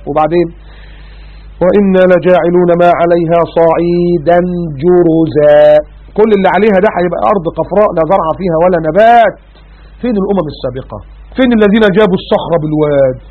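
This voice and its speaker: A man with an Egyptian Arabic accent giving a colloquial religious lesson, animated and full of rhetorical questions. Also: sits high. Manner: animated, acts out everyday voices and rhetorical questions. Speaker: preacher. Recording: phone-like narrow audio.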